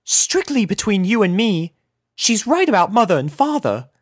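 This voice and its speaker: A woman's voice: mid-range voice, very animated, moderate pace, no room sound, clean studio sound, voice pushed up. A refined elder-sister unicorn mare, performed by a woman reading a story. The voice is raised and lilting, prim and composed, with formal, proper phrasing and a firm edge. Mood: sympathetic.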